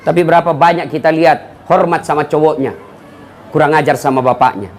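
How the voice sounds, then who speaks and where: A man's voice: a little high, brisk. A man preaching a humorous sermon, telling anecdotes and acting out the voices of people in them.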